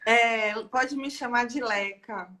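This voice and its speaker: A woman's voice: fairly high pitch, slow, background noise. A woman from São Paulo with a Paulista accent, a guest telling her story in an earnest, casual way. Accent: Brazilian Portuguese, São Paulo. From São Paulo, Brazil. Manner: earnest, repeats words when starting. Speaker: guest, marathon swimmer.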